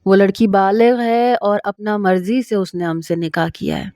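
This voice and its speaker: A woman voicing a blunt young Pathan husband who talks in a gruff, plain way with a Pashtun-accented Urdu. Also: mid-range voice, mellow, dry recording, clean studio sound, natural voice.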